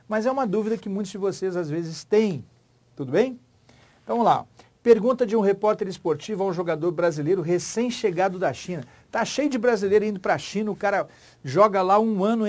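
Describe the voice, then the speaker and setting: A man's voice: sits high, darkish tone. A man with a Brazilian Portuguese accent teaching a grammar lesson in a playful, joking, emphatic way.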